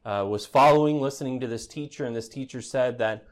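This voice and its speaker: A man's voice: medium pitch, a little fast. A man preaching an expository sermon as pastor, in a conversational teaching manner, often tossing rhetorical "right?" questions to the congregation with a touch of dry teasing humor.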